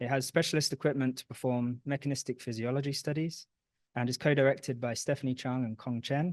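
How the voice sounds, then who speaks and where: A very fast man's voice at medium pitch, fairly even in intonation, with a dry, close sound and no echo. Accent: British. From UK. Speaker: research scientist. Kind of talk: conference talk. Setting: conference room with audience. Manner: halting, many fillers.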